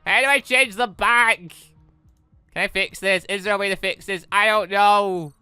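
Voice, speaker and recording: An excitable, chatty let's player giving casual reaction commentary on a video game. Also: medium pitch, a little slow, clean tone, no echo, soft background music.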